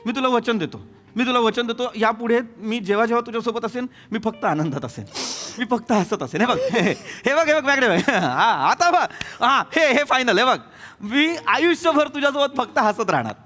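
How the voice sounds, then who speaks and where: A man's voice: extremely high pitch, lively intonation, normal speed, sharp tone, heavily acted. An actor playing a flustered young husband who pleads with his wife and stammers and repeats himself in a stage comedy sketch. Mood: pleading.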